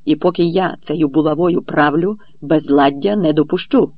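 Man doing a stern commander, booming but calm, gravelly, dry lo-fi sound. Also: moderate pace, dry recording. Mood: stern, commanding. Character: stern older male commander, calm authority. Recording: dull lo-fi recording.

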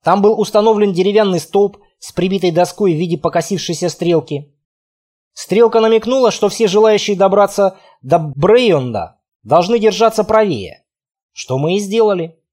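A man's voice: sits high, expressive, moderate pace, darkish tone. A man narrating a first-person fantasy audiobook in a wry, conversational way.

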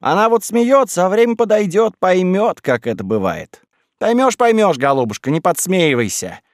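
A man's voice: high voice, sing-song, normal speed, dry recording, studio quality, pitched above the performer's own voice. A man voicing a stingy, wheedling middle-aged village woman with plaintive, defensive speech. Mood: pleading.

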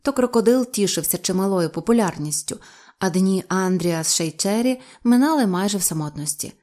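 A woman reading a novel aloud as an audiobook narrator, in an even storytelling manner. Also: mid-range voice, brisk. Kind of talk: scripted narration.

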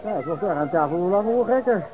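Lively high-pitched gossiping onlooker. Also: male voice, fast, phone-quality sound, a loud crowd. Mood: amused. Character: curious gossiping onlooker recounting a rowdy evening. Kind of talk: Dutch radio drama acting. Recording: noisy old radio play recording.

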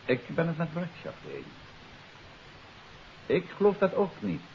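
An actor playing a composed, astute amateur detective in a 1950s radio drama, speaking in a measured, confident, matter-of-fact way. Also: male voice, on the high side, expressive. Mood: assured. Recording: dull, hissy 1950s radio recording.

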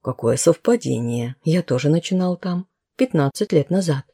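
Seasoned male skydiver, read by a woman, self-assured ladies' man, low dark tone, matter-of-fact. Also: expressive, moderate pace, husky, exaggerated voice. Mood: casual.

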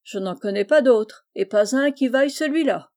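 A woman's voice: on the high side, animated, moderate pace, darkish tone, lightly acted. A woman reading the part of a hearty, generous older male farmer in a storybook, jovial and exclaiming.

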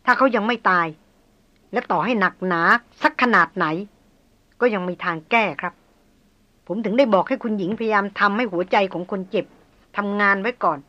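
A stern, seasoned male hunter voiced by a woman reading a storybook aloud explains things patiently and steadily. The tone stays bright and forceful while the pace stays unhurried. It is a gruff, grounded jungle-tracker figure. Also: medium pitch, no room sound, muffled recording, close to an everyday voice. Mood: calm explaining. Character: stern middle-aged male master hunter, calm.

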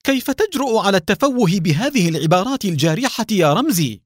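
A man's voice: medium pitch, animated, quick pace, a little mellow, no room sound, studio quality, natural voice. A man voicing an anxious young woman on a team, raised and pleading, in a storybook reading. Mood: indignant. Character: frightened young woman teammate.

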